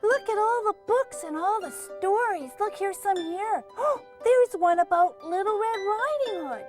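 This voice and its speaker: Very high, wide-eyed childlike puppet. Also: female voice, expressive, measured pace, soft background music. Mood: wonder. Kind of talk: children's puppet show acting.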